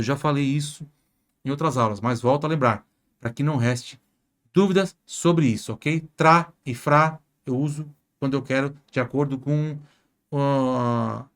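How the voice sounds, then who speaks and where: A man with a fairly high voice teaches a language lesson. He explains patiently, reads out example sentences and keeps checking that the viewer is following. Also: fairly bright tone. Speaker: Italian teacher.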